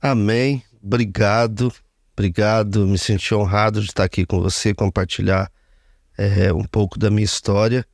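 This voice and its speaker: A man's voice: fairly low pitch, fairly even intonation, normal speed, gravelly, dry recording, clean studio sound. A man in his fifties, a radio broadcaster, giving an earnest interview testimony and speaking often of his faith. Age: 50s.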